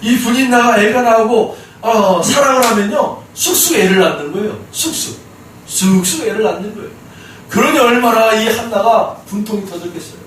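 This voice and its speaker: High-voiced pastor preaching in an echoey church. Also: male voice, normal speed, slight background noise. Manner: animated storytelling preaching, addressing the congregation often. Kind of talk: sermon. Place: church sanctuary. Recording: very echoey church hall, mic far off.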